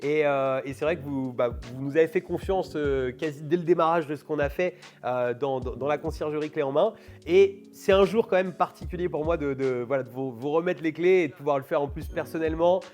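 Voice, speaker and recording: A man's voice: fairly high pitch, fairly quick, hardly any pauses, a little mellow, soft background music. A man hosting an interview, talking in long, rambling turns. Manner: rambling, full of fillers and restarts. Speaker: host. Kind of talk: casual interview chat.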